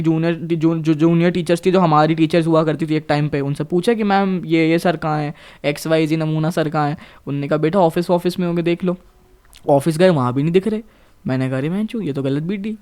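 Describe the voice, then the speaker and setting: A man's voice: fairly high pitch, smooth. A young man in his late teens from Bhopal, India, telling a school story in casual podcast chat, cursing a lot and slipping English phrases into his talk. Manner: profane, animated, mixes English phrases into Hindi. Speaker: podcast co-host.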